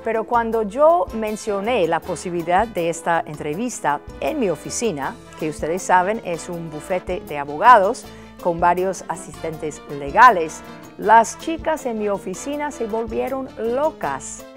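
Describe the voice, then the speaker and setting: A woman's voice: medium pitch, expressive, unhurried, soft background music. A woman in her fifties with an American accent, English her first language, hosting a chatty, playful TV interview show in a studio with a lapel mic. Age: 50s. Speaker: host. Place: indoor studio set, armchair.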